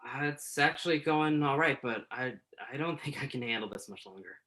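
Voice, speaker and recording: A man playing a conflicted journalist in a staged play reading, speaking naturalistically and haltingly. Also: medium pitch, lively intonation, bright, forceful tone. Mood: uneasy, conflicted. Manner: hesitant, halting. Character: Tuck, conflicted entertainment journalist man hiding his identity.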